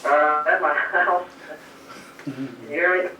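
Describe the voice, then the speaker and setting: Speaking slowly in a fairly high, bright, forceful voice, a race crew chief from South Carolina calls in from home to answer interview questions modestly. Faint music plays behind him, and his phone line breaks up and fades, sounding dull, distant, and echoey.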